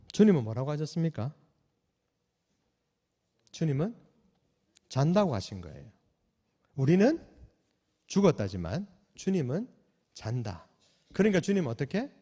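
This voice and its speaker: A man preaching a sermon as pastor, asking the congregation questions and swinging between loud calls and soft, hushed lines. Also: medium pitch. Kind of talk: sermon at a night prayer meeting. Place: church sanctuary. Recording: long church hall reverb.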